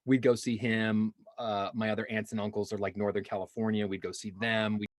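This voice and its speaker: A man's voice: lowish voice, level tone, brisk, no room sound. A man in his thirties from Hawaii, a guest actor chatting casually in an interview, rambling with many restarts and fillers. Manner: acts out quoted voices.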